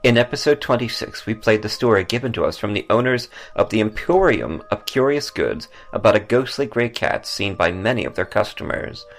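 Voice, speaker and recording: A man hosting a podcast, reading scripted ghost stories and travel notes over music. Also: lowish voice. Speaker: podcast host and author. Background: background music.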